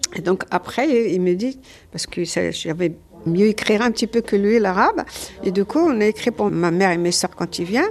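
Moving at a moderate pace, a woman has a normal speaking voice with a medium pitch and ordinary pitch variation. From Algeria. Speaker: interviewee. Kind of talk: testimony.

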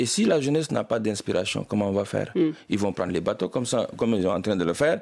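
A man talks fairly quickly in a normal speaking voice, his intonation lively. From Senegal. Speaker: social entrepreneur. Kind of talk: radio interview.

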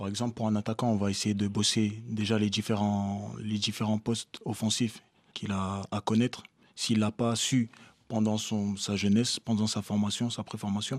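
The recording is very clean with a silent background. A man talks in a monotone, his intonation flat. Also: fairly low pitch for a man, moderate pace. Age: 30s. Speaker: fitness coach, former pro footballer. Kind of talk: studio panel discussion. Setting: studio. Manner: halting.

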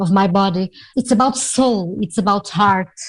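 A woman speaks in a Portuguese accent with a somewhat breathy voice. Her intonation is fairly even. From Portugal. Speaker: fado singer. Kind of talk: interview. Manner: halting.

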